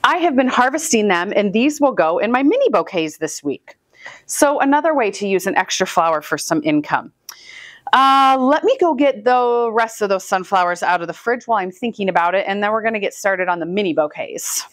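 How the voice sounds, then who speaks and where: A woman in her thirties chats to the camera as she works with her hands, moving easily from explanation to small asides. Her pitch sits in a comfortable middle range, and the room sound is dry and close. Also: lively intonation, a little fast, dry recording. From Northwest Iowa, US. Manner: chatty, upbeat, talks while handling flowers. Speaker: flower farmer and channel host. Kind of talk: casual how-to narration while working. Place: indoor room with flower buckets. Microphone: far camera, hands-free.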